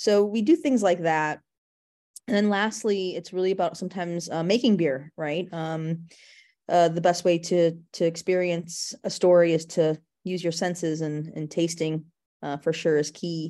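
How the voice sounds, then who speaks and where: A woman with an American accent, at a moderate pace with fairly even intonation. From Chicago, US Midwest. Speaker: museum founder and beer historian. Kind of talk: interview. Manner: many filler words, hesitant.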